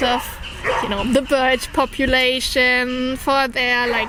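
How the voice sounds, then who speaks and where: Over noticeable background noise, a woman with a high voice speaks at a moderate pace in a raised, projected voice. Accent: German. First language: German. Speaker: podcast co-host. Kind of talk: casual chat.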